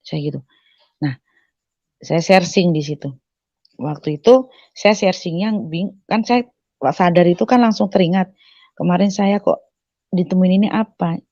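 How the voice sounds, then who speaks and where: A woman's voice: lowish voice, a little slow, long pauses, mellow, dry recording, dull audio. Woman telling a personal testimony. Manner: earnest storytelling with frequent restarts. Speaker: guest sharing a testimony.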